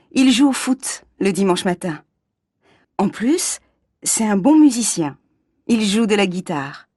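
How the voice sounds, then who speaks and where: A woman from France performing everyday scenes in a scripted dialogue for learners, speaking clearly and expressively. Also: mid-range voice, a little mellow, dry recording, clean studio sound.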